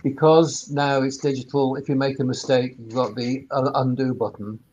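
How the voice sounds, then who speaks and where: Man explaining haltingly on a panel. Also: mid-range voice, level tone, darkish tone, highs cut off. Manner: halting, repeats words as explaining. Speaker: webinar panellist, sound engineer turned workspace operator. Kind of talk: informal expert panel discussion.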